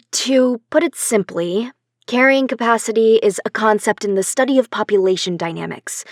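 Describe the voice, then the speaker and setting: Woman acting as a scientist guest on sci-fi radio news, mid pitch, calm articulate explainer, very dry studio sound. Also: no echo, close to an everyday voice. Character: composed female professor, expert guest on sci-fi radio news. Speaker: academic expert being interviewed. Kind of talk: scripted radio interview in an audio drama.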